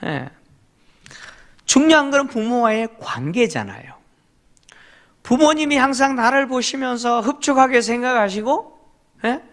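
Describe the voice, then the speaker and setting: With a very high-pitched, slightly bright voice and lively intonation, the pastor speaks at a measured pace, leaving long pauses. The middle-aged man preaches emphatically in Korean, directs the congregation in reading scripture aloud, and uses rhetorical questions and brief affirming interjections.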